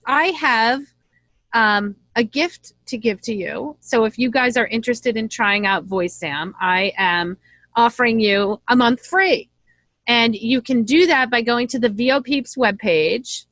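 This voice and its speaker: A woman's voice: on the high side, a little slow, a bit bright, dry recording. A woman hosting an interview, upbeat and chatty, laughing easily. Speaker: interview host. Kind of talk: casual interview chat.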